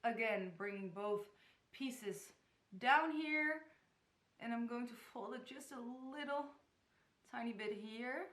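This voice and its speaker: A woman's voice: fairly high pitch, slow, fairly bright tone. A young woman from the Netherlands, chatty and giggly, showing hijab styles to camera in her bedroom. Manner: chatty, giggly, stumbles over place names. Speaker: hijab tutorial vlogger. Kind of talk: casual tutorial talk to camera. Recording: echoey bedroom.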